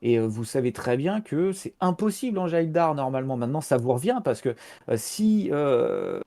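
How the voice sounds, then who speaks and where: A man's voice: medium pitch, huge pitch swings, moderate pace, dark tone. A man running a tabletop role-playing game as game master, explaining the scene with lots of hesitations and restarts. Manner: hesitant, many fillers and restarts while explaining.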